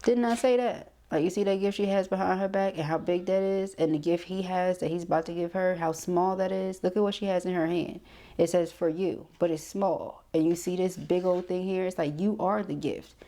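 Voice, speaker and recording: A woman's voice: fairly low pitch, fairly even intonation, a little fast, dark tone. A woman giving a casual tarot reading, talking conversationally to the listener and often checking in with short tags. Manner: conversational, punctuated with frequent check-in tags like okay and right. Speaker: tarot card reader.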